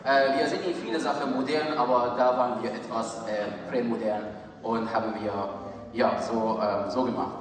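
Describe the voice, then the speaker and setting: Guy in his 30s preaching, halting and earnest, sounds far off in a big echoey church. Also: mid-range voice, fairly even intonation. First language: Farsi. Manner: halting, searching for words, earnest. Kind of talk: sermon. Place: large church hall. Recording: echoey church hall from far off, faint hiss.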